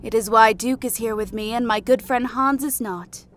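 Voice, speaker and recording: A man's voice: very high voice, steady tone, moderate pace, fairly bright tone, pitched above the performer's own voice. A man voicing a composed, courtly white-haired fae woman with a polite, genteel manner in a fantasy audiobook. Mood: composed, sly.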